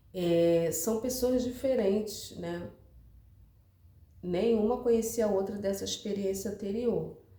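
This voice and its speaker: A woman's dark, mellow, somewhat breathy voice at a very slow pace, with long, frequent pauses, ordinary pitch variation and audible room echo. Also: medium pitch for a woman. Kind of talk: religious talk and testimony.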